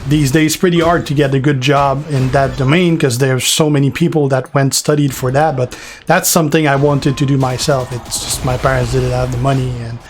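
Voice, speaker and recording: French guy in his 40s streaming, chill rambly chat w/ viewers, middle pitch, bit of faint noise. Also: normal speed. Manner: relaxed, rambling, answers chat by name, fillers. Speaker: gaming streamer. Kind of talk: casual live-stream chat.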